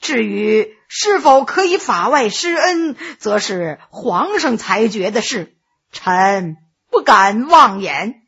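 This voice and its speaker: A man's voice: high voice, very animated, takes it slowly, pushed and bright, slightly rough, muffled recording, pitched below the performer's own voice, exaggerated voice. A woman voicing a nervous court official who answers the throne hesitantly and with deference. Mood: fearful. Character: nervous middle-aged male court official.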